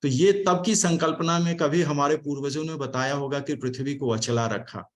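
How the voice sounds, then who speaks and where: A man from India speaking on a video call at a formal online seminar, explaining and thanking guests with frequent pauses and restarts. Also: a little high, fairly even intonation. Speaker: speaker giving vote of thanks.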